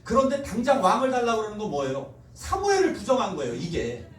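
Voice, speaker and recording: A pastor giving a Sunday sermon, telling stories and acting out quoted lines with laughter. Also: male voice, high voice, quick pace. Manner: animated storytelling, acts out quoted voices with laughter. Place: church sanctuary. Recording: roomy church hall, mic at a distance.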